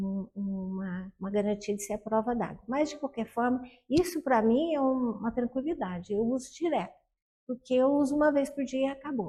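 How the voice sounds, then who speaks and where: Her pitch sits high for a woman, and her tone is dark and mellow. This woman speaks at a moderate pace with lively intonation. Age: 70s. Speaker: dermatology doctor. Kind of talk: interview. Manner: halting, many fillers.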